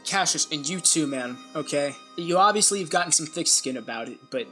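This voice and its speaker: Chatty, low-voiced woman game master. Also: expressive, fairly quick, fairly bright tone, faint music behind. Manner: chatty, laughs easily, rambling. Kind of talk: narrating a tabletop game.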